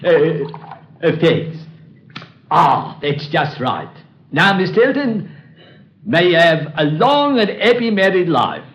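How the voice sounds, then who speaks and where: A talkative, jovial jeweler chatters in a high, bouncing voice full of folksy slips. The vintage radio recording sounds dull and roomy. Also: male voice, sing-song, slow pace, pauses often, fairly bright tone, heavily acted. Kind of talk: 1930s radio drama acting.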